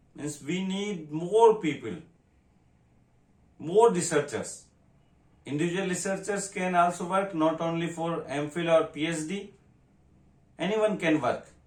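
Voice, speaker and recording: Here a man speaks at a fairly slow pace with long, frequent pauses. His pitch is high with ordinary variation, and the room echo is audible. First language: Hindi or an Adivasi language. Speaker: professor. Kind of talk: lecture. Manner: halting.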